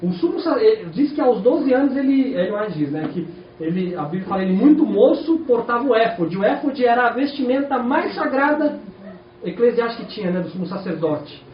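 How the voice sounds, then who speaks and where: A Brazilian man preaches to his congregation, and his voice runs high and swings a lot in pitch. He keeps asking questions and answering them himself. The sound is muffled and roomy, picked up from a distance with faint ambience behind. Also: brisk, a little hiss or hum. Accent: Brazilian Portuguese. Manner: animated, rhetorical questions to the congregation. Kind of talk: sermon. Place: church hall. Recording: echoey, distant, dull church recording.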